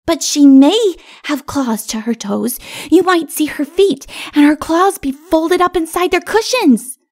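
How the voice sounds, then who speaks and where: A woman's voice: very high voice, animated, a little slow, darkish tone, pitched above the performer's own voice, full character voice. A woman voicing a small, innocent child in a storybook, anxious and trusting, with an earnest, pleading way of talking. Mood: earnest wonder.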